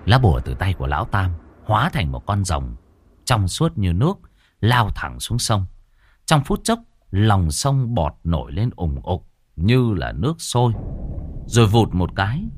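Guy telling a funny ghost story, low voice, swings up and down, soft music behind. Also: slightly rough. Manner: colloquial, lively.

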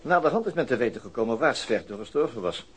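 An actor playing a weary, persistent police detective in a radio drama, terse and probing. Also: male voice, medium pitch, very animated, fast talker, slight background noise, close to an everyday voice. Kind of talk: Dutch radio drama acting.

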